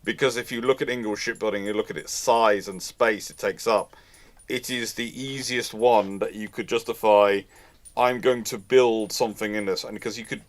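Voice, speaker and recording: A man's voice: lowish voice, fairly even intonation, moderate pace. A man hosting a live question-and-answer chat, talking in a rambling way and often repeating and rephrasing himself. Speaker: host answering audience questions.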